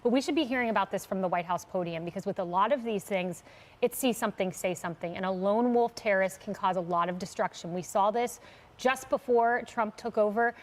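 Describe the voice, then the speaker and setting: A woman guest answering a TV interview question in a firm, emphatic way. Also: mid-range voice. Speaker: guest commentator.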